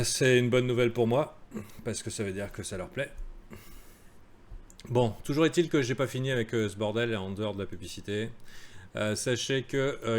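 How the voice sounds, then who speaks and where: A man giving a live crypto chart analysis in a casual, joking way, with many fillers and asides to viewers. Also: medium pitch. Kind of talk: live-streamed market analysis.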